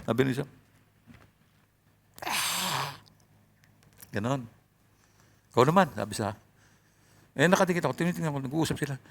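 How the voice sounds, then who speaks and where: A male pastor preaching a sermon in an animated way, his voice often rising loud. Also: medium pitch, quick pace, creaky, pauses often.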